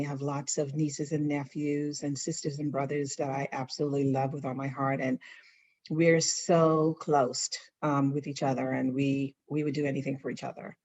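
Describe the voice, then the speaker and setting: A woman's voice: deep voice, a little mellow, highs cut off. A woman from the Bahamas, a guest on an interview, talking freely and laughing often. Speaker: interview guest, nonprofit founder. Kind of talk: casual interview chat.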